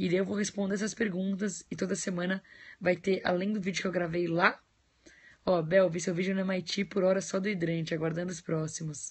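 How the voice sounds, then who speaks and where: Against a quiet background, a somewhat breathy voice moves at a fairly quick pace. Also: woman, medium pitch for a woman. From Brazil. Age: 20s. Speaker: entrepreneur and online educator. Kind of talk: casual livestream chat with viewers. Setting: live phone stream. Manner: animated. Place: home room. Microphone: phone near.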